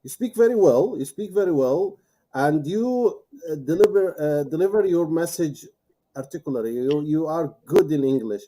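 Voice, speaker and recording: A man interviewing a guest, encouraging and a little halting in English. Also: fairly high pitch, animated, warm tone, poor audio. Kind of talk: interview questions.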